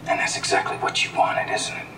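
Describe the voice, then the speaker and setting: A man's voice: fairly quick, bright, forceful tone, reverberant, close to an everyday voice. An actor playing an accusing, indignant male militant loyalist in a dramatic game cutscene. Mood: bitter, accusing. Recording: distant mic, faint background noise.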